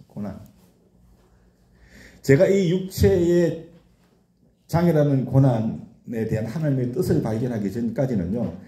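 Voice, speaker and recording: A pastor in his sixties delivers a sermon in a mellow, medium-pitched voice, repeating key words for emphasis and acting out anguished questions to God. The room has noticeable echo.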